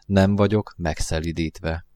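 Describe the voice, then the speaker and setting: A deep, low, lonely fox speaks with earnest patience in a storybook reading, voiced by a man. He muses and pleads gently, and his low voice stays calm and wise. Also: natural voice.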